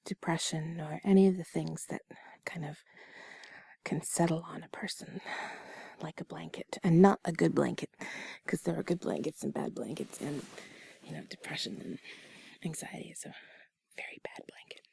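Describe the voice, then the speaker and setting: A woman in an intimate, soothing whispered role-play, speaking in a breathy, husky, unhurried way, close to the mic. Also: low-pitched, warm tone, dry recording. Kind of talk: intimate comfort audio, soft ASMR whispered role-play. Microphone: close microphone, dry sound.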